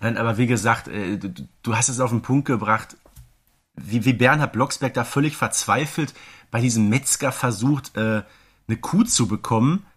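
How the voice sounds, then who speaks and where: A man's voice: mid-range voice, normal speed, husky. A male podcast host with a mid-range voice, talking casually about audio drama. He is enthusiastic and stresses his points emphatically.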